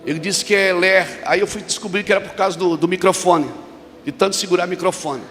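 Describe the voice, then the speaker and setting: A man preaching at a church conference, telling a story and then shouting emphatic declarations to the congregation. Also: sits high, steady tone, brisk. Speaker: pastor. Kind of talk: sermon with storytelling. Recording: long reverb of a large hall with music.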